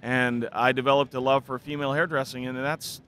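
A man in his thirties, a hairdresser guest, giving thoughtful, measured answers in a casual interview at a trade show booth, speaking into a close desk mic. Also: mid-range voice, flat delivery, fairly bright tone, slight background noise. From Spokane, Washington, United States. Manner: earnest, thoughtful, measured explanations. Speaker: hairdresser and product developer, guest. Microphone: desk mic on a stand, close.

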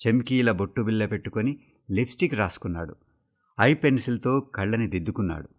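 A man giving a steady, measured reading of a short story for a radio broadcast. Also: on the low side, slightly rough. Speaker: story reader. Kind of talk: scripted radio story narration.

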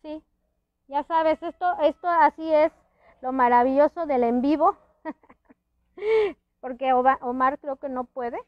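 A high-pitched woman chats casually on a live stream, rambling and restarting often, her words slightly thick from a dental palate. The sound is dry and a little dull. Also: fairly even intonation, unhurried, long pauses, no echo. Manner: rambling, many restarts and fillers, laughs often. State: wearing a dental palate that hampers her speech. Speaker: host. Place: indoors at a friend's house.

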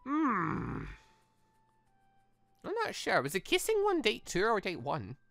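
An excitable let's player rambling and exclaiming while commenting on a game and reading its dialogue aloud. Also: mid-range voice, takes it slowly, vocal fry, dry recording, soft background music.

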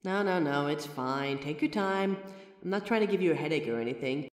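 Slightly high and animated, a man's voice moves a little fast over faint background music in an echoey room with long reverb. In a lightly acted audio roleplay, the voice actor plays the listener's own mirror reflection, a sentient being of light, patiently explaining things with chatty, wry asides.

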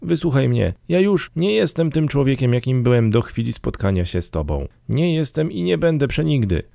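A man's voice: medium pitch, sing-song, normal speed, gravelly, mellow, no echo, studio quality, pitched above the performer's own voice. A man reading an audiobook, voicing a terrified old male miser who desperately pleads with a spirit in a raised, anguished voice. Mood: desperate pleading. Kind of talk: audiobook character voice.

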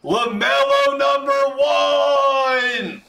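A man hosting a live sports card break, announcing names in an excitable, drawn-out way, his voice starting to wear. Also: very high voice, vocal fry. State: voice starting to give out. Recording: roomy echo, background noise.

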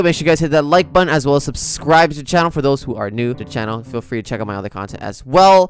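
Animated young man, casual reaction commentary. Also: medium pitch. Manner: informal, slangy, easily amused. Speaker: gaming reaction video host.

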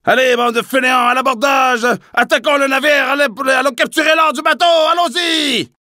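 A frantic game commander, shouting urgently. The voice is pushed high and forceful, in a dry recording. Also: male voice, fairly even intonation, brisk, no room sound. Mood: fierce. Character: frantic battle commander rallying his troops.

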